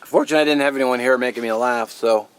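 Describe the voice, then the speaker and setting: A man's voice: medium pitch, fairly even intonation, very fast, clean tone. A man hosting a challenge video, chatting casually to viewers. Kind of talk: casual vlog chat. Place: outdoors.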